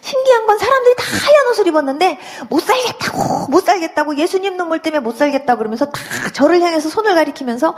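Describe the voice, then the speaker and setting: A woman's voice: very high-pitched, lively intonation, fast talker, few pauses. A middle-aged woman giving a personal Christian conversion testimony, telling her story vividly and with sound words.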